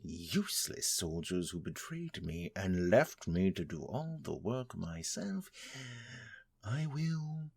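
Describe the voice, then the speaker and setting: A man playing a haughty, vengeful vampire lord in an audio drama, husky and pompous. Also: low-pitched, very animated, a little mellow, no echo, studio quality, exaggerated voice. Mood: vengeful, scheming. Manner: pompous, imperious, slow and deliberate. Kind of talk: scripted audio drama acting.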